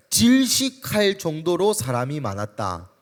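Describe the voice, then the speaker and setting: Music plays in the background as someone speaks at a very slow pace with a Gyeongsang accent. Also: man. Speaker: pastor. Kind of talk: sermon. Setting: church. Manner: casual, conversational.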